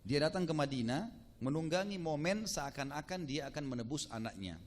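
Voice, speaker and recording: A man preaching, telling a story to his audience with lively quoted voices and casual asides. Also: brisk. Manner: animated, acts out quoted speech with shifting pitch. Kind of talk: sermon storytelling.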